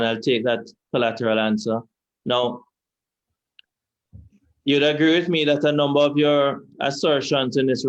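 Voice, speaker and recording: A man with a Jamaican accent, a lawyer questioning a witness at an inquiry in a measured, deliberate, repetitive way. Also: medium pitch, highs cut off. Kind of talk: courtroom cross-examination. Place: inquiry hearing room.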